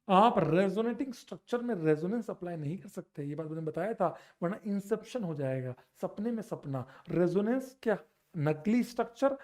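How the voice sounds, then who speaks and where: Guy teaching chemistry for exams, high voice, fast and playful, mixes hindi and english. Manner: energetic, mixing Hindi and English, teasing students. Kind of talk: exam-prep lecture.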